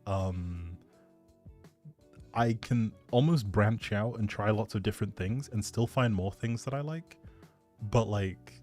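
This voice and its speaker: A man's voice: lowish voice, a little mellow. A man hosting a livestream, chatting casually with viewers in a rambling, jokey, playful way. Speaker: streamer, host. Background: background music.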